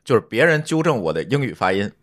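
A middle-aged man co-hosting a relaxed podcast conversation. His pitch swings widely and he talks quickly. He states his opinions emphatically and moves the talk along. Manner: emphatic, opinionated, steers the topic. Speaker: podcast co-host. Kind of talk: casual chat.

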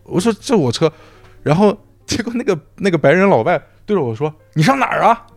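Man, podcast guest, animated storytelling, dry close mic, faint music. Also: a little high, brisk, dry recording. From Xinjiang, China. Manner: animated, acts out quoted dialogue. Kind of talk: casual storytelling chat.

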